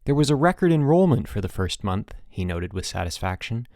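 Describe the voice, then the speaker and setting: A man's voice: fairly low pitch, very animated, fairly quick, a little mellow, no room sound. Man narrating an audiobook in a dry room. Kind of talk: scripted storybook narration.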